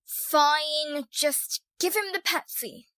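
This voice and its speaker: A woman's voice: high voice, slow pace, fairly bright tone, no echo, rough recording. A woman playing a wary, disapproving young companion in an audio drama. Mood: grudging. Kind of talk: audio drama character acting.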